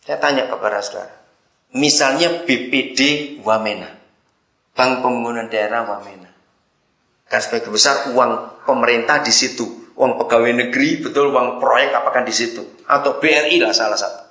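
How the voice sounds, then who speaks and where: A man preaching a sermon as pastor, telling a story with passion and swinging between loud outbursts and hushed moments. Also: mid-range voice, moderate pace, reverberant, low-quality recording.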